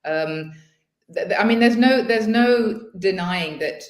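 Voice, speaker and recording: Her mid-range voice moves at a measured pace with a roomy sound as she chats casually on a podcast. She is a woman from Switzerland in her fifties whose English carries a British-schooled accent, and she often restarts her sentences while thinking things through hesitantly.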